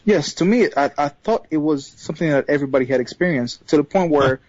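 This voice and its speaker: A man from Haiti, whose first language is not English, calling into a radio show and telling a personal story with many pauses and fillers. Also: a little high, darkish tone, no echo, dull audio. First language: not English; third language. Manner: hesitant, many fillers and restarts. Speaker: caller.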